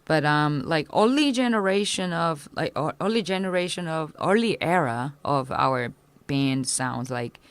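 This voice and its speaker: This woman, a thirtysomething punk musician whose first language is Korean, answers casual interview questions in halting English with lots of fillers and restarts. Her voice is low-pitched and smooth with lively intonation, recorded dry.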